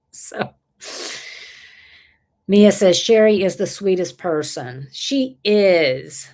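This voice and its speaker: A woman's voice: medium pitch, lively intonation, very slow, a little mellow. A woman, chatting casually on a livestream and reading viewer comments aloud, rambling and laughing often. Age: 60s. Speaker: livestream host.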